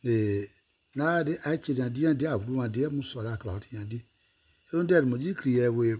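A man's voice: mid-range voice, expressive, unhurried, a little mellow, slightly rough. A man singing or chanting in a repetitive way, returning again and again to short refrains. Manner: repeats short refrains over and over.

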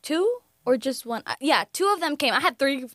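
Giggly young woman, lively pitch. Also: normal speed, dry recording, clean studio sound. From Honduras. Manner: giggly, rambling storyteller. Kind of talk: casual chat.

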